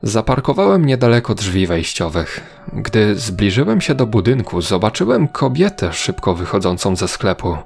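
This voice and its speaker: Low, gravelly man narrating horror. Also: sing-song, normal speed. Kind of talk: scripted first-person horror narration.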